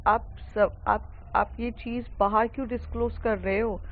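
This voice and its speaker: A woman's voice: fairly high pitch, steady tone, normal speed, phone-quality sound. Woman doing a pleading worried schoolgirl. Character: worried schoolgirl begging the teacher.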